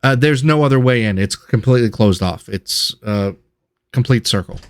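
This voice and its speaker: A man's voice: mid-range voice, moderate pace, clear, resonant tone, dry recording, clean studio sound. A man narrating as game master of a tabletop game, describing scenes in a loose, self-correcting way.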